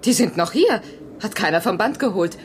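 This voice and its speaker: A woman's voice: mid-range voice, animated, moderate pace, natural voice. An actress playing an unmotivated, dismissive airport ground-staff woman in a children's audio drama, with a curt, snippy manner. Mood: snippy, indifferent. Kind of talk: 1980s German children's audio drama acting.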